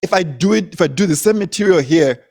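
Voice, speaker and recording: Young zimbabwe guy chatting, kinda high voice, tells stories with lots of laughs. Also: fast talker, vocal fry. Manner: animated storytelling, laughs often, repeats words. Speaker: comedian, guest. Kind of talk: casual conversation.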